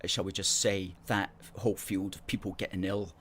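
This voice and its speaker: A man's voice: deep voice, little pitch movement, normal speed, a bit bright, slight background noise. A middle-aged man with an educated Scottish accent, hosting a livestream and replying to viewer comments in a chatty, sardonic way. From born in Hong Kong. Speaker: host.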